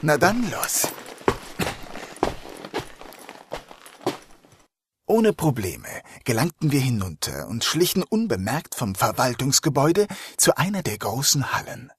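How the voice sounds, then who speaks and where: An actor playing a composed, dryly confident police detective in a German crime audio drama. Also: male voice, mid-range voice, huge pitch swings, breathy edge, no room sound. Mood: focused. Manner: measured, dry, commanding.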